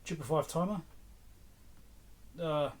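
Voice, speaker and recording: A man's voice: on the high side, takes it slowly, heavy background noise. A middle-aged man talking casually off the cuff, musing to himself like a vlog host as he goes through items. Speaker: host of an electronics repair channel.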